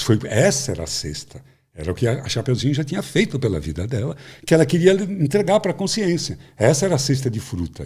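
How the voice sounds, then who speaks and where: A man, an interview guest who tells a spiritual parable in an animated way. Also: mid-range voice, slightly rough. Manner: animated storyteller, acts out voices. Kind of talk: spiritual storytelling talk.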